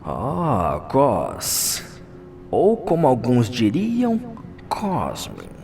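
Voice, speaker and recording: A man voicing a mad scholar villain in an audio drama, theatrical, with drawn-out exclamations. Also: medium pitch, huge pitch swings, vocal fry, over music, full character voice. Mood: reverent, fervent. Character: mad male scholar villain, host of a nightmare.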